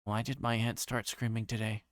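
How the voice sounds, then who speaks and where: While livestreaming a visual novel, a man reads its narration aloud, tossing in casual asides and sometimes tripping over lines and repeating them. His voice is fairly low and fairly monotone, at an ordinary speed.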